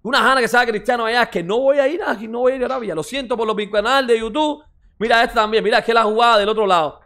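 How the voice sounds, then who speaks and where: Fast, high-voiced mocking man. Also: fairly bright tone. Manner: mocking, repeats exclamations, swears, rapid rants. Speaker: football reaction streamer. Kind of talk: casual mocking reaction commentary.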